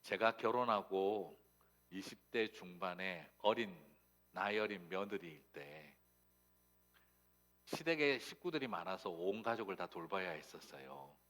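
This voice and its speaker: A middle-aged male pastor tells a sermon story in a fairly low voice. He acts out the quoted dialogue, swinging between hushed asides and loud, animated outbursts. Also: unhurried. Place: church sanctuary.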